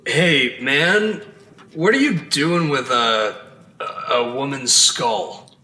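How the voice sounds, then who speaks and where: A man's voice: mid-range voice, animated, slow pace, bright, forceful tone. A man playing a probing investigator in an audio drama. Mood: alarmed. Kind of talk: scripted audio drama dialogue. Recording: echoey room.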